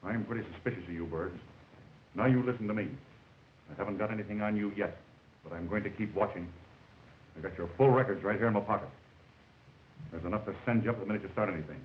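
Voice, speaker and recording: Guy doing a gruff threatening cop, low voice, 1920s talkie film, hissy sound. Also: quick pace, long pauses, highs cut off, natural voice. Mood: suspicious, stern. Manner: stern, threatening. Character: gruff, suspicious male police detective. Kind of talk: early talkie film comedy acting.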